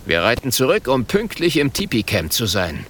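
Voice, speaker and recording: A man's voice: medium pitch, wildly swooping pitch, normal speed, fairly bright tone, a little hiss or hum. A man voicing a stern, proud old tribal chief who speaks in clipped, broken sentences.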